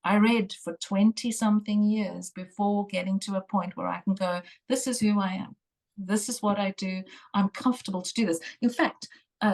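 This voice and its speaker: Earnest, emphatic middle-aged woman. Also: mid-range voice. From South Africa. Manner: earnest and emphatic, mild swearing, lively storytelling. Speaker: guest, intuitive tarot reader. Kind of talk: conversational interview.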